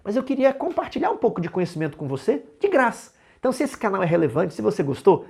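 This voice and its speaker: Husky, animated man teaching Bible. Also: high-pitched, fast. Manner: emphatic, rhetorical questions, animated rises and drops. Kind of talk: lively explanatory lesson.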